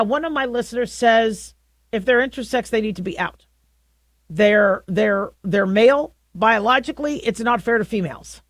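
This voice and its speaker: Deep-voiced woman radio host. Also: no echo. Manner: conversational, halting with many restarts. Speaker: radio talk show host. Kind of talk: opinionated talk radio monologue.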